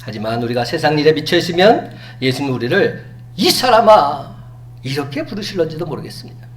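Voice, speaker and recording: A man preaching a sermon as pastor, animated, acting out quoted lines. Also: a little high, quick pace. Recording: distant mic with faint hum.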